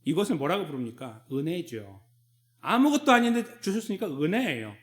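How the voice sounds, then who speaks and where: Male pastor, higher-pitched voice, conversational sermon delivery, acts out dialogues. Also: big pitch swings, a little fast, fairly bright tone. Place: church sanctuary.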